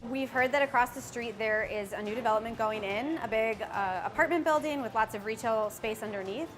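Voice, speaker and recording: A woman's voice: on the high side, brisk. A young woman who owns a bakery, talking in an upbeat, conversational way in a documentary interview. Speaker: bakery owner. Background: background music.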